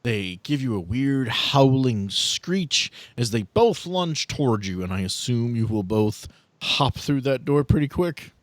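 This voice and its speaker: A man's voice: medium pitch, expressive, unhurried, no echo. A man narrating a tabletop roleplaying game as game master, in an informal way with some swearing.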